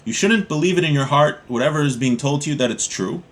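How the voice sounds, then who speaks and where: A man teaching a class on Jewish law, reading short passages and explaining them in plain, calm English, often repeating key points. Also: on the high side, quick pace. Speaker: Torah teacher. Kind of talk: text study class, reading Hebrew then explaining in English.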